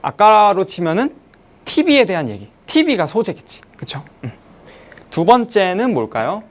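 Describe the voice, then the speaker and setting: Lively English teacher reviewing an exam. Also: medium pitch. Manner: explains step by step, asking and answering own questions; reads English sentences slowly, then glosses them. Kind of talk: online exam-review lecture.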